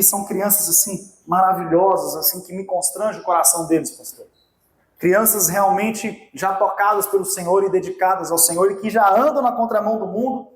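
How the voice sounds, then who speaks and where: A Brazilian pastor in his thirties preaches with passion, calling out directly to the men and women in the pews. His voice sits high for a man. It rings with the echo of a church hall. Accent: Brazilian Portuguese. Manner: impassioned preaching, direct appeals to the congregation. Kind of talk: sermon. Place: church sanctuary.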